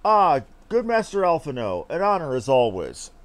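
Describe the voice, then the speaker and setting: A man's voice: on the high side, wildly swooping pitch, moderate pace. A man voicing a gracious, hearty knight lord from a fantasy game, with courtly, effusive and formal speech. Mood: welcoming. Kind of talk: theatrical read-aloud of fantasy game dialogue.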